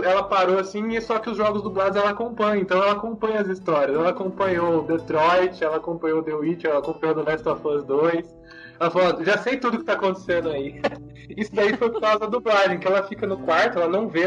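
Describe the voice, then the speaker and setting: A high-voiced man tells a story in a casual podcast chat, animated and expressive, repeating words for emphasis. The sound is slightly dull and lo-fi, with faint music in the background. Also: quick pace.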